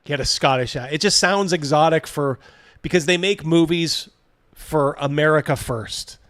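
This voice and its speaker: A man's voice: a little high, moderate pace, fairly bright tone, no room sound. A man hosting a casual live commentary, reading out viewer comments in a blunt, mocking, sweary way. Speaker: host of a livestream reacting to a video.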